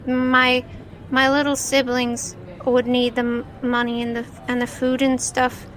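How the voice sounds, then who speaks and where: A woman voicing a small, poor, ragged boy who speaks politely and haltingly in a tabletop game. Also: a little high, completely flat delivery, fairly bright tone. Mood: shy, hopeful.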